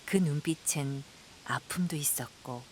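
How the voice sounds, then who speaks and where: A woman's voice: deep voice, unhurried, a little hiss or hum, poor audio. A woman narrating an audio drama from a script as a storyteller.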